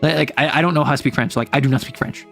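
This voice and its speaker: A man's voice: mid-range voice, fairly even intonation, very fast, creaky, fairly bright tone, faint music behind. An American man, a young adult, chatting casually on a livestream in a rambling, self-interrupting, wry way. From United States. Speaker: streamer.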